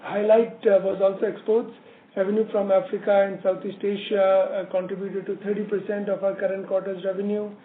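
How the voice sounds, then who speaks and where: A man presenting company results as an executive on a business call, halting often with many filler words. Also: high voice, little pitch movement. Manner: halting, hesitant delivery with frequent filler words. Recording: narrowband phone line, roomy echo, slight noise.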